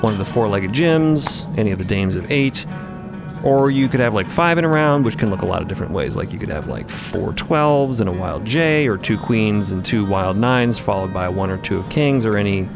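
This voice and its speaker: Man playing a casual, folksy woman card shark, low-pitched. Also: expressive, moderate pace, gravelly. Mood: casual explaining. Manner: folksy, casual, rambling explanations. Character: brash, easygoing woman card dealer in bomber jacket. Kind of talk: audio fiction character dialogue. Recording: music bed behind voice.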